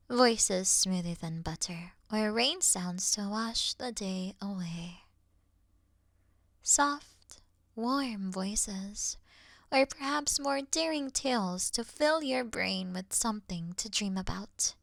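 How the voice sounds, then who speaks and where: A woman playing an awkward, officious moth girl in a sleep-aid ASMR roleplay, speaking softly and deliberately in a dry bedside murmur that slips into whispers. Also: mid-range voice, vocal fry, dry recording, exaggerated voice. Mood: soft, musing. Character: awkward, officious young female moth monster offering comfort.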